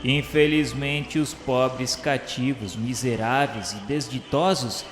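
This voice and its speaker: Slow, solemn Brazilian man in long reverb. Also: mid-range voice, steady tone. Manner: formal, grandiloquent, reverent. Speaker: narrator. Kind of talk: solemn scripted narration of a religious radio novela. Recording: roomy long reverb, music behind. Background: music.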